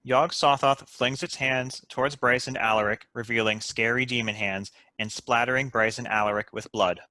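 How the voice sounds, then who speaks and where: A man's voice: medium pitch, fairly even intonation, normal speed, pushed and bright, dry recording. A man reading stage directions as scripted narration at a table read, in a matter-of-fact way.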